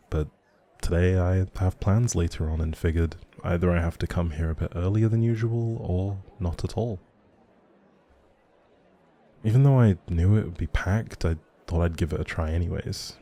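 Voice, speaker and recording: A man's voice: low-pitched, fairly even intonation, normal speed, dark tone, breathy edge. A man playing a shy, socially anxious but friendly young writer in an intimate audio roleplay, rambling hesitantly and apologetically to the listener. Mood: rambling, musing.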